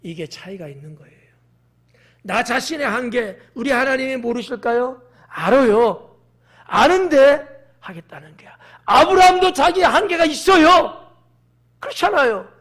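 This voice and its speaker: A man preaching a sermon as pastor of his church, acting out quotes and swinging from shouts to hushed whispers. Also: extremely high pitch, expressive, normal speed. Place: church sanctuary.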